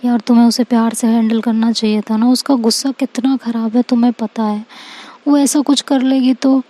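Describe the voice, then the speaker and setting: Brief: matter-of-fact teen best friend in a storybook reading, a woman voicing her; mellow, even tone. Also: on the high side, normal speed, close to an everyday voice. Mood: chiding. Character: practical teenage girl friend Neha.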